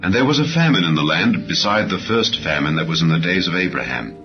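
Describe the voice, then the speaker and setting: Deep-voiced man solemnly narrating scripture. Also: lively intonation, fast. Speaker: audiobook narrator. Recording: slightly dull audio under clear music. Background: background music.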